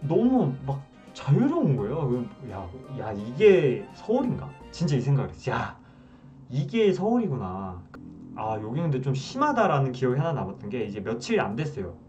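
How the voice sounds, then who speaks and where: A man's voice: medium pitch, moderate pace. A man in his twenties from South Korea, casually telling a story to camera and acting out the scenes. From Wonju, South Korea. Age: 20s. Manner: animated, acts out scenes. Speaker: vlogger. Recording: dull sound, slightly distant, music behind.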